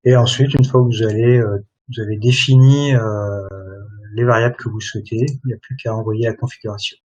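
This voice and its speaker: Husky man, halting webinar demo. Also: mid-range voice, fairly even intonation, a little mellow, muffled recording. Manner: hesitant, many fillers like voilà and hein. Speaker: product presenter.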